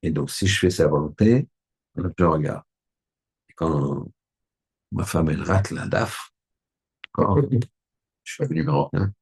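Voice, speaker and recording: A man's voice: a bass voice, measured pace, gravelly, pauses often, breathy edge. A man, a rabbi, giving a Torah lesson in a conversational way, often checking that his listeners agree.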